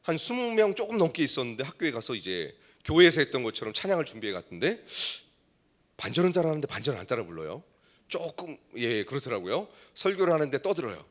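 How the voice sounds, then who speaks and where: A middle-aged male pastor preaching a sermon, telling a story and swinging between hushed asides and loud exclamations. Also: mid-range voice, sing-song, quick pace.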